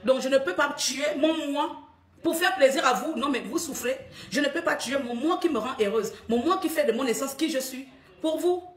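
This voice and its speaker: A woman's voice: high-pitched, moderate pace, roomy sound. A middle-aged woman from Gabon with a Cameroonian accent, scolding her followers bluntly in a live stream.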